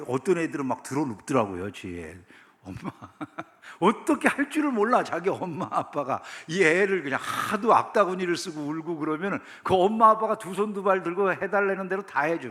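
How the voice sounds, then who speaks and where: A man's voice: on the high side, pushed and bright, big-room sound. A man preaching a sermon as pastor, talking conversationally and often asking the congregation questions. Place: church sanctuary.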